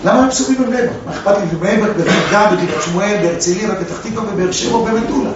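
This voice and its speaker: A man teaching a classroom Torah lesson, animated, asking the class questions and acting out the dialogue. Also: high voice, background noise. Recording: echoey room, distant mic, dull lo-fi sound.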